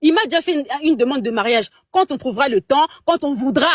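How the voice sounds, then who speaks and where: Young congolese woman ranting, high-pitched, dry close sound, keeps repeating words. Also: expressive, fast, no echo. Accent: Congolese French. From Democratic Republic of the Congo. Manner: indignant, emphatic, many repeated words. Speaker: guest on a live chat. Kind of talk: heated casual chat, mixing in Lingala.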